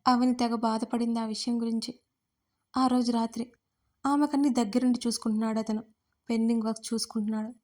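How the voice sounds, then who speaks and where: A woman storyteller giving scripted narration of a romance story in an even, steady reading. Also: on the high side, fairly quick.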